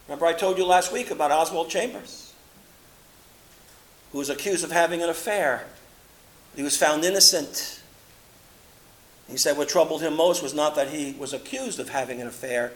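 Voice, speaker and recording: High-voiced impassioned male preacher. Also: poor audio. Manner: swings between loud impassioned quotes and low quiet asides. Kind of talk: sermon.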